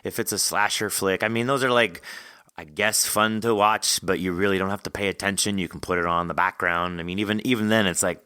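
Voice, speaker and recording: A man's voice: sits low, steady tone, a little fast, bright, forceful tone, clean tone, dry recording, clean studio sound. A man hosting a podcast interview, talking casually and emphatically.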